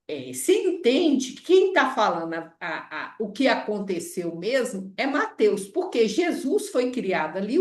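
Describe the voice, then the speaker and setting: Brazilian woman, Bible study teacher; lively, slightly high, recorded distant in a roomy space. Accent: Brazilian Portuguese. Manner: explains with frequent checks like "tá?" and "né?". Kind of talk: informal Bible study lesson. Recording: echoey room, voice off-mic.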